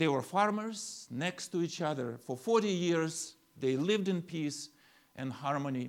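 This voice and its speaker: This man has a fairly high voice and lively intonation, with a Ukrainian accent. The recording is very clean, with a silent background. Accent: Ukrainian-accented English, noticeable. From Kiev, Ukraine. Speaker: preacher. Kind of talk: sermon. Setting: church.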